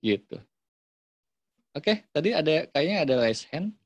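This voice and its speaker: A man's voice: on the high side, sing-song, a little slow, no echo. A man giving a reflective parenting talk in an online session, explaining with acted-out examples. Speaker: parenting speaker.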